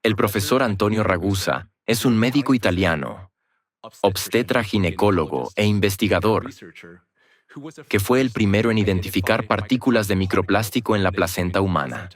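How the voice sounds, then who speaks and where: Male moderator, lowish voice, formal courteous introduction. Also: moderate pace. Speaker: conference moderator introducing a speaker.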